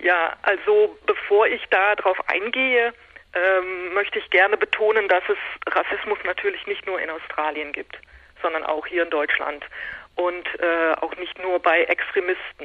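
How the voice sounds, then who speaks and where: Woman at a fairly slow pace with ordinary pitch variation. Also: medium pitch for a woman. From Netherlands. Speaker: activist. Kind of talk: interview. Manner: hesitant with fillers.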